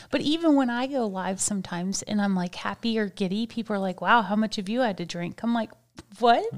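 Talking at a fairly quick pace, a woman uses a fairly high pitch with ordinary pitch variation. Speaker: podcast co-host. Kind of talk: casual chat. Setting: studio. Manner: soft-spoken.

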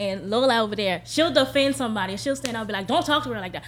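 A woman with a Haitian accent, medium-pitched, very fast and lively in intonation. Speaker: reality show cast member. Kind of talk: casual chat. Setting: studio.

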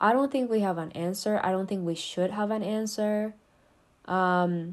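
On a very clean recording with a silent background, a woman speaks at a fairly slow pace with a Japanese accent. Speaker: solo podcaster. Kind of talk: casual monologue. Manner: hesitant, many fillers.

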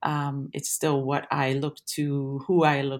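In a very clean recording with a silent background, a voice with a Hawaiian accent speaks at a very slow pace with monotone, flat intonation. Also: woman. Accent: Hawaiian American English. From Hawaii (Waimea, Big Island). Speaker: lecturer and author. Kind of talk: interview. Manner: hesitant with frequent ums.

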